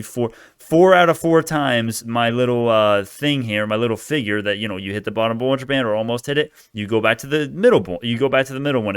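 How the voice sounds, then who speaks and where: A man's voice: mid-range voice, fairly bright tone, clean tone, no room sound, clean studio sound. A man giving casual stock market commentary as a video host, talking in a brash, informal, profane crypto-bro way.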